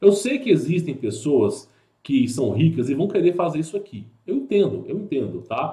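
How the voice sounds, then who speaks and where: In a Brazilian accent, a man talks at a fairly slow pace with a fairly high pitch and very wide pitch swings. His tone is dark and mellow, with vocal fry. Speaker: YouTuber presenting conspiracy and mystery topics. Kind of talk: casual explanatory monologue with screen sharing. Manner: conversational, filler-heavy.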